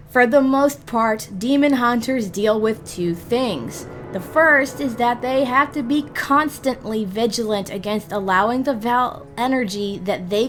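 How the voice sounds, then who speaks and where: A woman hosting a gaming guide, narrating scripted explanations emphatically and speaking directly to the listener. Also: medium pitch. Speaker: host of a gaming roleplay guide.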